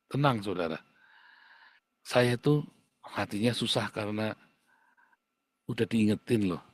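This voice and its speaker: A man preaching a livestream sermon as pastor, blunt and scolding, with sudden jumps to a high pitch for emphasis. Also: no echo.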